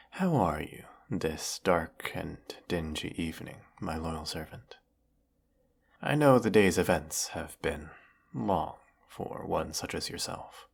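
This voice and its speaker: An actor playing a weary, menacing galactic emperor in a sci-fi audio roleplay, speaking with pompous, theatrical formality. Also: male voice, exaggerated voice. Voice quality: low, gravelly. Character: weary, menacing galactic evil emperor, secretly fond of servant. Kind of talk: scripted audio roleplay monologue.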